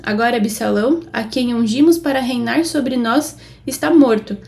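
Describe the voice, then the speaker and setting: Brazilian woman reading scripture, slightly gravelly. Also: on the high side, moderate pace, a little mellow. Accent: Brazilian Portuguese. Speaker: Bible reader.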